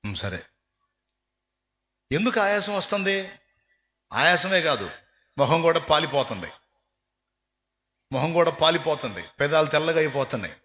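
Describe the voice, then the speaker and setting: A man's voice: fairly high pitch, pushed and bright. A man preaching a sermon as a pastor, emphatic and acting out everyday dialogues. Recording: echoey reverberant hall.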